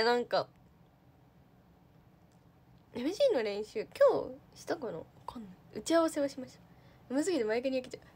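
A woman's voice: sits high, husky. A young woman, an idol trainee, chatting casually on a livestream, reading out viewer comments. She is talkative and giggly and uses a lot of fillers.

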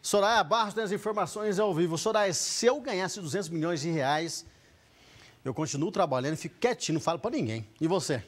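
High-voiced male anchor, playful banter. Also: fairly quick. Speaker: studio news anchor. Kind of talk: live TV news presenting. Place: TV studio.

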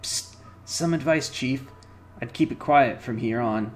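A man voicing a wisecracking floating male skull companion, high and brash as he reads the game's lines aloud. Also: a little slow, a little hiss or hum, close to an everyday voice. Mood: conspiratorial.

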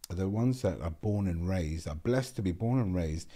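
This is a deep, mellow-voiced man with a South London accent, speaking as a podcast guest in a small studio. He talks earnestly and repeats words as he thinks. The sound is close and clean from a boom-arm mic. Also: moderate pace. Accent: South London English. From South London, England. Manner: earnest, repeats words, animated with hand gestures. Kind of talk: casual interview talk. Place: small bright studio room with a window. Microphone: boom-arm podcast microphone.

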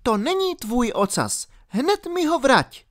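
A man's voice: extremely high pitch, sing-song, a bit bright, pitched above the performer's own voice, full character voice. Man voicing a firm, plucky teenage girl. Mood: insistent. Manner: bossy, insistent girlish voice. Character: sixteen-year-old girl, plucky and firm. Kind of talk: audiobook reading.

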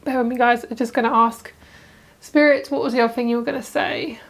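A woman's voice: on the high side, steady tone, quick pace, creaky. A woman giving a casual tarot reading, chatty and rambling, breaking off into asides. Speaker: tarot reader.

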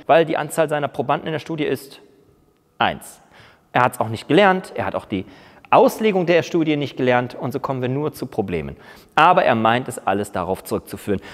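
Emphatic fitness guy in his 40s, lively up and down voice, echoey gym hall. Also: mid-range voice. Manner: emphatic, argumentative, lively gestures. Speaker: fitness YouTuber. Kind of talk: opinionated monologue to camera. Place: large indoor gym. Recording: long reverb in a big gym hall.

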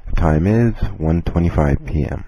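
A man playing a calm, courteous airline captain giving a measured, scripted in-flight announcement. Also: sits low, no echo, highs cut off. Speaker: airline captain in a listening lesson.

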